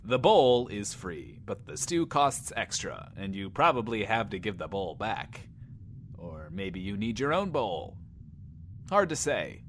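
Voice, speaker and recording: An actor playing a smug, wisecracking radio host of the apocalypse, showy and wry, in audio drama radio patter. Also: male voice, fairly low pitch, fairly bright tone, a little hiss or hum, full character voice. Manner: showy, self-important, wry. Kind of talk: in-world radio show patter.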